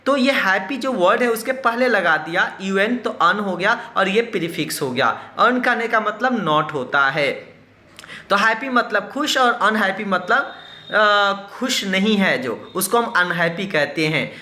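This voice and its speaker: A man's voice: sits high, lively intonation, a little slow, sharp tone, echoey room. A man teaching an English grammar lesson. He mixes English terms into his Hindi, poses questions to himself and then answers them.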